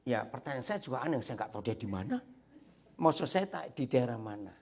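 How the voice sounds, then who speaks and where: A male pastor preaching in church, telling a personal story with frequent asides to the congregation. His voice is gravelly and a little husky. His pitch leaps and dips in a very animated way. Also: brisk. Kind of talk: sermon. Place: church sanctuary.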